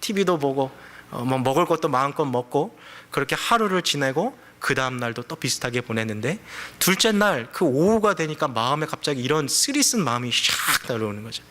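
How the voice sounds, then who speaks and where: A man's voice: mid-range voice, animated, brisk, bright, forceful tone. A male pastor giving a sermon in a conversational, storytelling way. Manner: conversational storytelling, acts out quoted voices.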